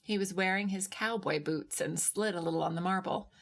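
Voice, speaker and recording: A woman narrating a first-person literary short story in a measured, expressive way with deliberate pauses. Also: on the low side, gravelly.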